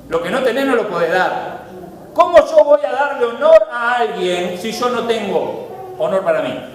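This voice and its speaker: A man with a Uruguayan accent preaching a sermon as pastor, emphatic, swinging between loud pleas and soft low asides. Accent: Uruguayan Spanish. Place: church hall. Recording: echoey hall with faint noise.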